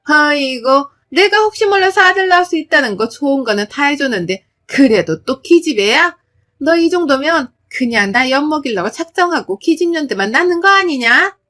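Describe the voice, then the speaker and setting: A woman voicing a shrill, contemptuous older mother-in-law who screeches and scolds. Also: expressive, moderate pace, sharp tone. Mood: scolding.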